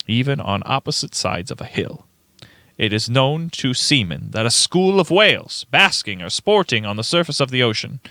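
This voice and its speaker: A man playing a frantic, paranoid old grandfather reading his diary aloud in a theatrical, halting horror radio-play style. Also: mid-range voice, sharp tone, no room sound. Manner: theatrical, halting, emphatic delivery.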